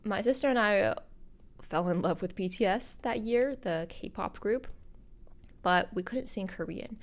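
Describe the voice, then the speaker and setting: A young woman hosting her own podcast, talking casually and upbeat to viewers, her voice husky because she is a little sick. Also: mid-range voice, a little slow. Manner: bubbly and upbeat, addressing viewers directly. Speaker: podcast host and content creator. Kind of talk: casual solo podcast talk.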